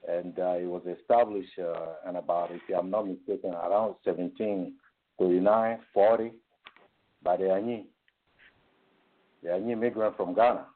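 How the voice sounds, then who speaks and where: Ivorian guy calling in on a tinny phone line, lowish voice, explains history kinda haltingly. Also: fairly even intonation. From Ivory Coast. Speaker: guest on a call-in show. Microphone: phone call.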